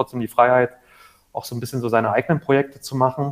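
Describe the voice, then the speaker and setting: This is a man's voice. His pitch sits at a medium level. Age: 30s. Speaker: graphic designer and lecturer. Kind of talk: casual interview. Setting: remote call. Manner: hesitant, many fillers. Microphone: remote connection audio.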